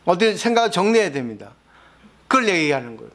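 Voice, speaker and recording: A man's voice: high voice, big pitch swings, quick pace, a bit bright. A man, a Buddhist monk, lecturing on scripture, explaining with everyday examples and asking his listeners rhetorical questions. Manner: asks the audience rhetorical questions.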